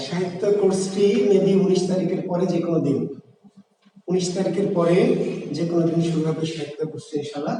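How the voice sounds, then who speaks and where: A man's voice: sits high, mellow, a little hiss or hum. A man teaching a grammar lecture online, explaining patiently and repeating key words for his students. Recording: roomy echo with long reverb, voice far from the mic.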